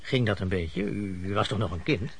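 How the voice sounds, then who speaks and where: An actor playing a polite, curious interviewer in a radio play, putting slightly hesitant questions. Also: male voice, on the low side, expressive, normal speed, creaky, slightly rough, no room sound, exaggerated voice. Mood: politely curious.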